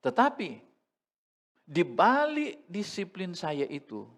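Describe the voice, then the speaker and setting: A man's voice: high voice, huge pitch swings, takes it slowly. A man preaching a Sunday sermon as pastor in a church service, talking conversationally with humor and asides to the congregation.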